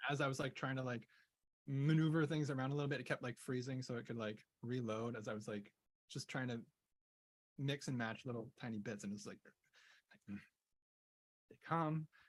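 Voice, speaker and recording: Speaking softly at a moderate pace, a man holds a medium pitch with fairly even intonation and long, frequent pauses. The sound is dry and close, with no echo. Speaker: music producer. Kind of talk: casual chat. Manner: soft-spoken. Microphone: wrong microphone, too quiet.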